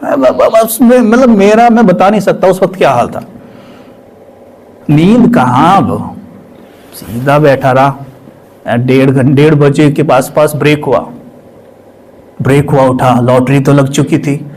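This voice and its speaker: A male spiritual speaker telling a personal testimony with emotion, sometimes dropping to a hush. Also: a little high, unhurried, pauses often, rough recording. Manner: emotional, drops to hushed tones for quoted voices.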